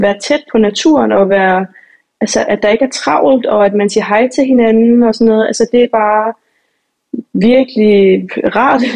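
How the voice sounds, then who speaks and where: A woman with a fairly high pitch, ordinary pitch variation and a moderate pace. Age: 20s. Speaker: journalist. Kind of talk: panel discussion.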